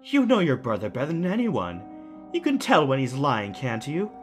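A man's voice: mid-range voice, huge pitch swings, soft background music. Man acting a smug, swooping, taunting villain. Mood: sly goading. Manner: mocking, drawn-out, deliberate phrasing. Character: taunting, calculating male kidnapper villain, smugly theatrical. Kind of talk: audio drama acting.

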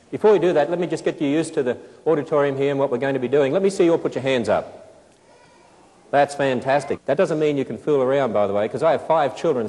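A man in his thirties with an Australian accent, giving a playful, animated lecture to a live audience and quizzing them with questions. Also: mid-range voice, big-room sound. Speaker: speaker addressing a children's audience. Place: large auditorium stage with potted plants.

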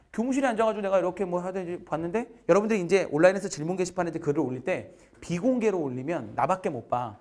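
A man who teaches math, telling a funny story to his class in a lecture and acting out his students' lines. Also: fairly high pitch. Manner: animated, laughing while telling a story, acts out students' lines.

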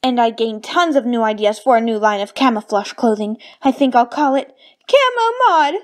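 Cartoon pony fashionista, female performer: high, very animated female voice, refined and vain, theatrically melodramatic. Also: moderate pace, natural voice. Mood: prim, gracious. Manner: theatrical, refined, affected ladylike diction. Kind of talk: fan voice reel of cartoon lines.

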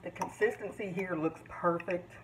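A woman's voice: on the low side, fairly even intonation, moderate pace, noisy background. A woman hosting a casual cook-along in her home kitchen, chatting to viewers as she mixes. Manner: chatty, addresses viewers as guys. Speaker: cooking channel host. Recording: distant voice with loud clattering dishes.

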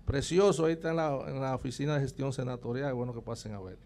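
A man's voice: mid-range voice, quick pace, darkish tone, slight background noise. A Dominican man in his sixties, a guest on an outdoor morning TV panel, talking proudly and emphatically into a handheld mic. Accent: Dominican Spanish. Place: outdoor street set with murals.

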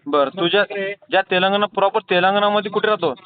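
A man taking a call for help, calm and questioning, with short acknowledgements. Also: high-pitched, quick pace, clear, resonant tone, dry recording. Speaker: host taking calls. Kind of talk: phone call. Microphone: phone call. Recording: tinny phone line.

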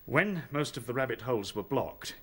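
Shaken rabbit captain, halting. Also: male voice, mid-range voice, lively intonation, slightly rough. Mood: troubled. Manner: halting, searching for words. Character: battle-worn male rabbit captain, shaken, recounting horrors. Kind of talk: radio drama dialogue.

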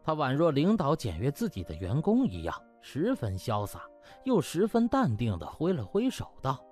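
Highly animated male audiobook narrator. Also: normal speed, faint music behind. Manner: theatrical, expressive storytelling. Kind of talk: dramatic scripted narration of a comic novel.

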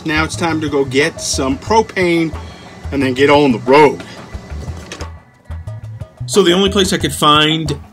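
A man's voice: a little high, a little slow, pauses often, fairly bright tone. A middle-aged man chatting casually as an RV vlogger, upbeat with lots of fillers, filmed on a phone at arm's length. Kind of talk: casual travel vlog with voice-over. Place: inside a car, then outdoors by an RV. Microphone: phone held at arm's length. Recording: music bed playing under the voice. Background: background music.

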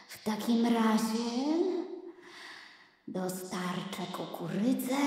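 A woman playing a stern, mysterious guardian with a commanding, deliberate delivery and heavy reverb in a children's audio play. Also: fairly low pitch. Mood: disappointed, musing. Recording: cavernous long echo, music underneath.

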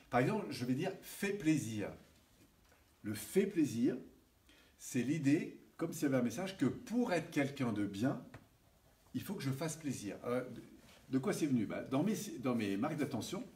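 A man giving a seminar lecture, animated and checking in with his audience often. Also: medium pitch. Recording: distant mic with faint hiss.

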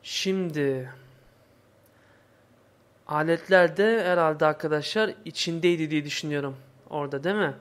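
A man giving casual let's play commentary in halting, imperfect Turkish with muddled word forms. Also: fairly high pitch. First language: not Turkish, speaks imperfect Turkish. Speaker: gaming video host.

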